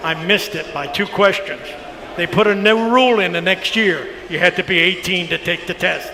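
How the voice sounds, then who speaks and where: Over noticeable background noise, a man with an American accent projects a raised voice at a high pitch for a man, speaking at a moderate pace with ordinary pitch variation. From West Virginia, Fairmont. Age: 70s. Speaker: retired basketball referee. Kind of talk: storytelling. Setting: live show in sports bar with audience. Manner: animated.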